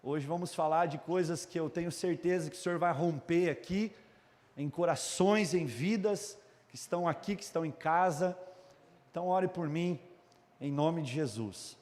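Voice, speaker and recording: A man's voice: on the high side, normal speed, a little mellow. A man with a Brazilian Portuguese accent preaching a sermon as a pastor, speaking straight to his congregation and to viewers at home. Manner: addresses congregation and online viewers directly, prays aloud. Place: church hall. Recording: long hall reverb.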